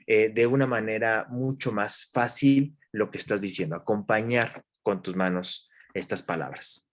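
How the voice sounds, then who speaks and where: A man, a guest expert in an interview, explaining calmly with examples and questions to the listener. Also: fairly low pitch, unhurried. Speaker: guest expert in human development.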